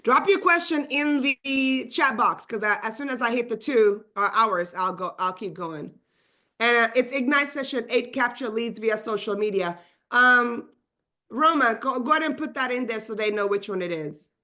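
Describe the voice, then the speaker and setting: A woman whose first language is Swedish, leading a live online training session in a fast, energetic and chatty way, full of asides. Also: a little high. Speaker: real estate trainer.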